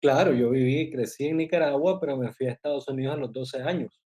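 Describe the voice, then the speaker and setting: A man's voice: mid-range voice, fast talker, mellow. A man in his forties, born in Costa Rica, talking as a guest on a podcast, hesitant with many fillers. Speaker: guest, journalist and filmmaker. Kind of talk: casual interview.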